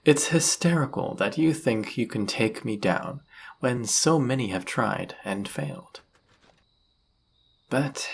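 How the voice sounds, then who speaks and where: A man playing a suave, seductive demon in a flirty audio roleplay, husky and gravelly, with a teasing, theatrical, often murmured delivery. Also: lowish voice, full character voice. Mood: amused, intrigued. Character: suave seductive male demon, smug and dangerous.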